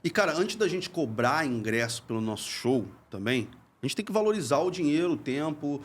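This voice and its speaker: A man's voice: fairly high pitch, animated, a little fast. A man who teaches comedy, talking casually on a podcast, earnest and explanatory, often repeating words as he searches for them. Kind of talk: casual chat.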